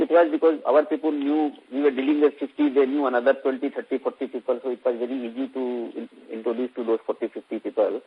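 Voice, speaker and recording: A man's voice: mid-range voice, breathy edge. An Indian-accented man, a company executive, explaining emphatically and repetitively as he answers questions on an investor conference call. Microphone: conference call phone line. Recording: muffled, very narrow phone-line audio.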